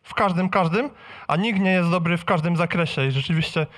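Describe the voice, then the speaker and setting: Higher-voiced man, halting and searching for words. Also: fairly bright tone. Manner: halting, searching for words, many false starts. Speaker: audience member asking a question. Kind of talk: casual spoken question from the floor. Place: live meeting in a room with an audience.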